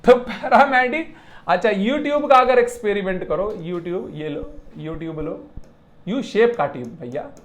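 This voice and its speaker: A physics teacher giving a lecture, explaining in an animated way with repeated points, rhetorical questions and playful classroom comparisons, mixing English technical terms into the talk. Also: medium pitch, measured pace. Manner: mixes English technical terms into Hindi speech.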